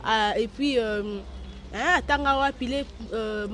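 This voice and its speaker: A woman interviewer with a hoarse voice from a cold, asking loose, rambling questions outdoors. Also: fairly high pitch, unhurried, a bit bright, a little hiss or hum. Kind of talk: interview questions, French and Lingala.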